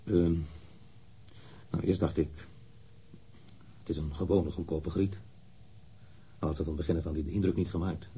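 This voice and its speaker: An actor playing a defensive, wounded lover under police questioning in a radio drama, speaking bluntly and candidly. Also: male voice, deep voice, steady tone, normal speed, pauses often, warm tone, slightly rough, exaggerated voice. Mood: subdued, reflective.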